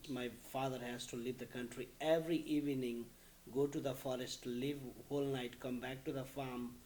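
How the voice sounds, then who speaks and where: A man from Bhutan, recounting his past in an interview in a measured way, listing details between "uh" and "um.". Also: mid-range voice, flat delivery, a little mellow, a little hiss or hum, rough recording. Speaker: refugee interviewee. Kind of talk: recorded interview testimony.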